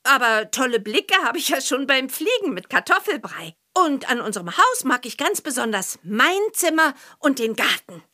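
A young witch girl from a children's radio play. The voice sits high and bright, with animated swings in pitch. The delivery is cheerful, chatty and neatly enunciated, like scripted storytelling. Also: normal speed, hardly any pauses, full character voice. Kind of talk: scripted children's audio drama character interview.

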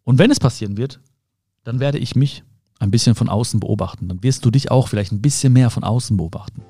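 Mellow-voiced man giving gentle life advice. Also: medium pitch, brisk, breathy edge, no echo, studio quality. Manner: calm, addresses the listener directly, rephrases often. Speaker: podcast host. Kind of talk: reflective self-help monologue.

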